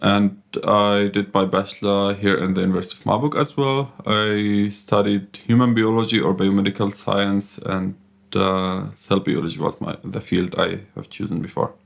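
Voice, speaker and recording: A young man from Syria introduces himself in a low voice with a strong gravelly fry. He speaks slowly and deliberately. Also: little pitch movement. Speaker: neuroscience master's student, interviewee. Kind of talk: interview self-introduction.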